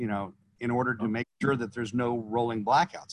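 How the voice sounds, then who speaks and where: He is a man with an American accent and a medium pitch. He talks at a moderate pace. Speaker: oil and gas data entrepreneur. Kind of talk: interview. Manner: halting.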